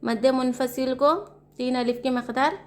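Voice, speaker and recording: A woman Quran reading teacher with a South Asian Urdu-Hindi accent, slowly spelling out letters and vowel marks and explaining the rules with questions. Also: high-pitched, little pitch movement, darkish tone. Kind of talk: slow spelled-out recitation lesson.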